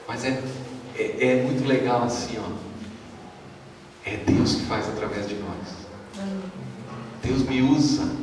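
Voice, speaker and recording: A Brazilian pastor preaching a sermon at a youth retreat, leading the congregation in call-and-response and reading scripture aloud. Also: male voice, medium pitch, a bit bright, slight background noise. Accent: Brazilian Portuguese. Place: large hall at a youth retreat. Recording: echoey hall, voice from far off.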